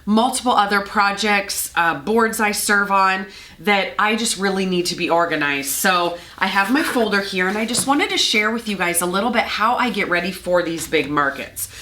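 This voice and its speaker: A woman's voice: lively intonation, moderate pace, pushed and bright. A middle-aged woman with a scratchy voice from a cold, chatting casually through her flower-farm vlog with frequent ums. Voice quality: scratchy, slightly lower than usual. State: hoarse from a cold. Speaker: flower farmer and vlogger.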